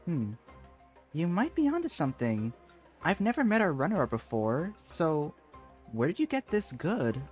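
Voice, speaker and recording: A man's voice: fairly high pitch, wildly swooping pitch, normal speed, a little mellow. A man voicing a confident, playful young fighter in a video game. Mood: amused. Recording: game music behind the voice.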